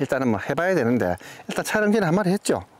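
Very fast, a man talks at a fairly high pitch. His pitch swings very widely. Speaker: fishing show host. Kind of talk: on-location explanation to camera.

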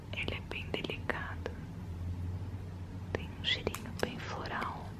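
Loud background noise fills the clip. Over it, a woman speaks at a very slow pace. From Brazil. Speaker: ASMR creator. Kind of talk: ASMR whispered show-and-tell of received gifts. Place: home room.

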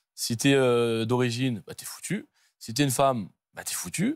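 Against a quiet background, a man's medium-pitched voice carries lively intonation in a dry sound with no echo. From Paris suburbs, France; France. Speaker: chef; guest. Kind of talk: personal testimony. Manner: casual, slangy. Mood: earnest, recounting hard experiences. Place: studio. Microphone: lapel.

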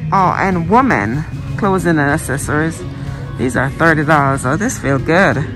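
The intonation is lively. Clear music plays in the background. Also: woman, very deep, low pitch for a woman, moderate pace. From Jamaica. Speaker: shopping haul vlogger. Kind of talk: casual shopping vlog narration. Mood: warm, pleased. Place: shop. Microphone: phone near.

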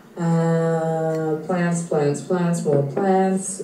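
Over noticeable background noise, a woman talks at a fairly low pitch with fairly even intonation. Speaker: plant hobbyist. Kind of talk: video walkthrough.

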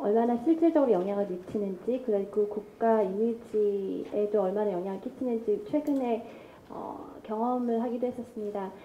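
A woman with a fairly high pitch and ordinary pitch variation is heard in a room with audible echo and light background noise. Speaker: foreign ministry official; panelist. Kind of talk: panel discussion. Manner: formal. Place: hall. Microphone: handheld.

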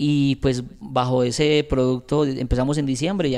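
Here is an unremarkable speaking voice at a moderate pace. The intonation stays fairly even. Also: man. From Antioquia, Colombia. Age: 30s. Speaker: content creator and radio announcer. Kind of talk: casual interview.

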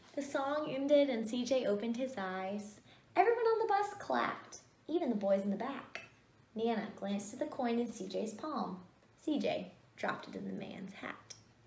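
A woman's fairly high voice with lively intonation, a moderate pace and audible room echo. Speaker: teacher reading a picture book aloud. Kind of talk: dramatic storybook narration with character voices. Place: home room. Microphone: phone near.

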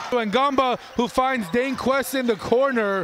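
A man's extremely high-pitched voice at a fairly slow pace, with ordinary pitch variation and noticeable background noise. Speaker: basketball play-by-play commentator. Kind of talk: live sports commentary.

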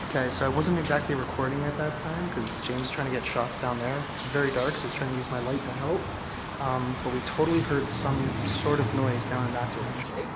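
Loud background noise under a man's fairly quick speech. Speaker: explorer vlogger. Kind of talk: casual vlog chat. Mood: uneasy, curious. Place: church. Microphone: phone near.

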